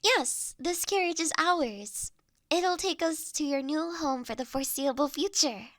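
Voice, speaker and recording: A woman playing a refined, poised young noblewoman in an audio roleplay, speaking formally and kindly with authority and soft trailing phrase endings. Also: sits high, expressive, measured pace, dry recording, clean studio sound. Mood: considerate. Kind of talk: scripted audio roleplay addressed to listener.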